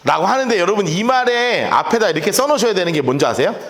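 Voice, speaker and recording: A man's voice: sits high, big pitch swings, quick pace, a bit bright. A male pastor preaching a sermon and telling stories with playful acted voices. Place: church hall. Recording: echoey church hall.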